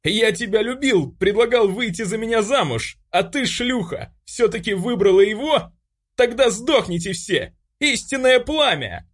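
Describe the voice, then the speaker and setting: A man's voice: high-pitched, expressive, a little slow, a bit bright, pitched above the performer's own voice, full character voice. A man voicing an arrogant, hot-tempered young male noble mage who shrieks hysterically.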